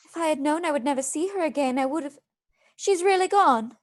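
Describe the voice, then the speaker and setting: An actress playing a gentle, loyal and composed young wife in a theatrical radio play. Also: female voice, high-pitched, fairly quick, natural voice. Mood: shocked, grieving. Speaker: actor in a live radio play. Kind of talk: theatrical radio drama acting.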